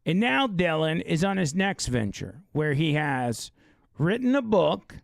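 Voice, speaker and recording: Guy hosting a live show, gravelly and a bit hoarse, higher voice, dry close sound. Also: very animated, a little slow, no echo. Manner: chatty, loose and opinionated. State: losing his voice. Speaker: radio and live-stream show host. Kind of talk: casual live talk show with read ad.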